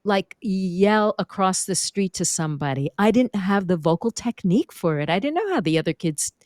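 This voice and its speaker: A woman from New York, a speaking and vocal coach, chatting as a guest on a podcast with an expressive, lively teaching manner. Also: medium pitch, moderate pace, dry recording, clean studio sound. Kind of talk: conversational podcast interview.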